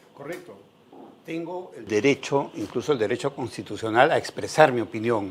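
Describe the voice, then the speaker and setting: The speaker has an ordinary speaking voice, a moderate pace, lively intonation and big swings in loudness. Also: man, medium pitch for a man. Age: 60s. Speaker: pollster and political analyst. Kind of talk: radio interview.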